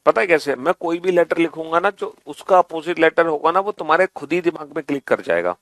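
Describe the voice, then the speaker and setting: A male teacher with a high voice runs an online exam-prep class, chanting memory tricks and repeating instructions. He playfully scolds the students as he drills them. The sound is dry and close. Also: animated, a little fast, fairly bright tone, no room sound.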